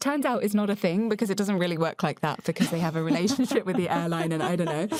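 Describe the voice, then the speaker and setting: With an English accent, the speech carries lively intonation and hardly any pauses. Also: woman. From England. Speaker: actress. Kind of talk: casual chat.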